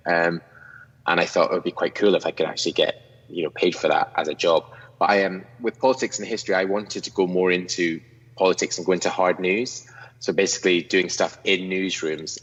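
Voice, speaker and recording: A young Scottish man from the northeast, near Inverness, chats as a podcast guest over a video call from his own studio in a casual interview. His voice sits low with a fairly bright, slightly rough tone, and the lo-fi recording carries a long reverb tail. He is self-mocking and keeps restarting his sentences.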